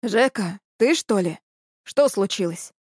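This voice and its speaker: A woman voicing a stern old village man with a gruff, folksy way of talking. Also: medium pitch, lively intonation, slow, a little mellow, no room sound, clean studio sound.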